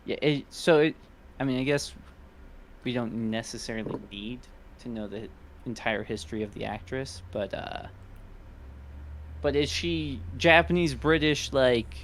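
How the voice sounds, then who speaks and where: Male podcast co-host, mid-pitched, inquisitive, a bit halting. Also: a bit bright. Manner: inquisitive, hesitant, asks questions. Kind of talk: casual podcast chat.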